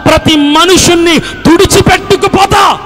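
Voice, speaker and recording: The vengeful sky, as a preacher voices it. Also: male voice, very high voice, moderate pace, big-room sound, voice pushed up. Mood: pleading, vengeful. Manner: impassioned pleading, shouted threats. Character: the sky, vast and vengeful, pleading to flood.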